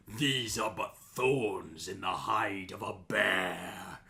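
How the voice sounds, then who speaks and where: A man uses a raspy, put-on character voice at a fairly low pitch and a very slow pace. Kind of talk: archaic, grand. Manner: laughing, scornful.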